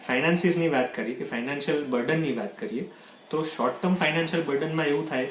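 A man with a fairly high pitch and ordinary pitch variation speaks in a room with audible echo and noticeable background noise. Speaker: orthopedic surgeon. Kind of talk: explanatory interview.

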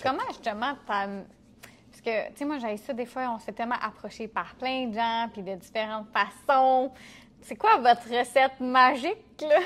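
Speaking at a fairly slow pace, a woman uses a high pitch with ordinary variation and big swings in loudness. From Quebec. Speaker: podcast host, entrepreneur; podcast host. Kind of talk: casual interview. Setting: her workshop studio. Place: home room. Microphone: lapel.

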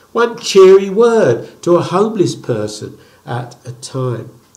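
A somewhat breathy man speaks at a very slow pace. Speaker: children's poet. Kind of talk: poetry reading. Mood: warm, upbeat. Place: kitchen. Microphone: webcam.

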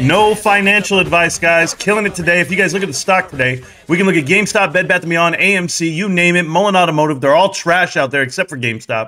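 A high-pitched man's voice at a very fast pace with ordinary pitch variation, faint music in the background. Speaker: stock market streamer. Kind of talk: commentary. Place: home room.

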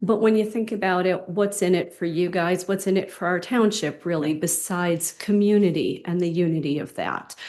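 Speaking with hardly any pauses, a woman uses a medium pitch. Her intonation is fairly even. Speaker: resident speaking at public comment. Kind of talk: public comment at meeting. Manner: loud.

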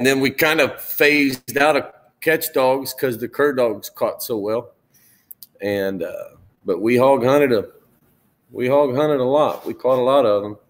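A man speaks with a South Texas accent, leaving long, frequent pauses. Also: ordinary pitch variation. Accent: South Texas drawl. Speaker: bobcat hunter and houndsman; guest. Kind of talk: casual chat. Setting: video call live stream. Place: home room.

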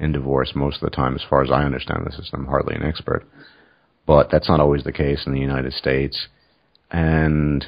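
A man with an American accent, a very deep, low pitch, monotone, flat intonation, and a fairly quick pace. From New York. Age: 30s. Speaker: YouTube channel host. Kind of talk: casual conversation.

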